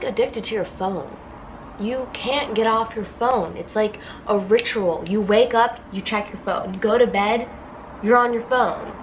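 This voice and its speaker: A woman's voice: medium pitch, noisy background. A young woman with a stuffy nose from a cold, talking casually and heartfelt in a confessional vlog and saying "like" constantly. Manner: rambling, heavy use of "like", heartfelt. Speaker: vlogger.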